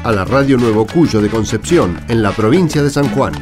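A man's voice: medium pitch, lively intonation, moderate pace, over music, lightly acted. A man with an Argentine accent speaking and reading in a radio drama style. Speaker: cast member of a religious radio show.

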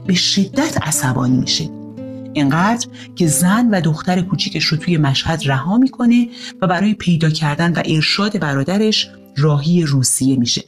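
A woman narrating a children's story in an expressive, animated way. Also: deep voice.

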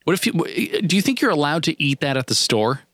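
A man with a fairly high, bright voice that swings up and down a lot as he riffs and jokes on a podcast. He laughs often and drifts into tangents. The sound is dry and close. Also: big pitch swings, a little fast, no room sound. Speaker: podcast co-host. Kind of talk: casual chat. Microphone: desk microphone.

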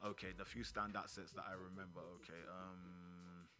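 London roadman MC with a bright, punchy voice. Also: low voice, level tone, moderate pace, soft background music. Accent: London, urban street. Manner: London roadman slang, emphatic repetition. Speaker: grime MC, interview guest. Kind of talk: casual interview chat.

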